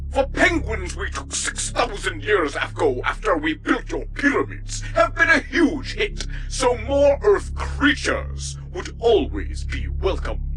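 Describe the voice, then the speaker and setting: Over loud background noise, a man performs a put-on character voice at a fairly slow pace. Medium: audio drama. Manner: pompous, commanding, theatrical.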